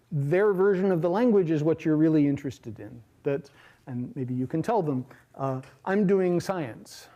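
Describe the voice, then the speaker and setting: A middle-aged man lectures to students in a large hall, rambling comfortably through examples with plenty of fillers. His voice sits a touch high yet sounds mellow and soft. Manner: relaxed, chatty, many fillers and asides. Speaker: linguistics lecturer. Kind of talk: university lecture.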